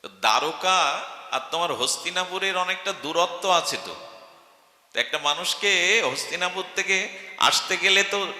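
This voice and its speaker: A man's voice: sits high, moderate pace, long pauses, bright, forceful tone. A man giving a devotional sermon, telling stories and asking rhetorical questions. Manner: storytelling, asks rhetorical questions. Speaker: preacher. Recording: echoey hall.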